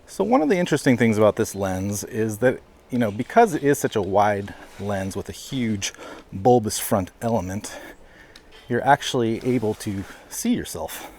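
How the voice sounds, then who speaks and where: A man's voice: lowish voice, darkish tone, a little hiss or hum. A man chatting casually through a walk-and-talk vlog outdoors on city streets, a little out of breath, rambling with fillers and amused laughs, recorded on a lavalier mic. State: slightly out of breath from walking. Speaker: vlogger. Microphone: lavalier mic while walking.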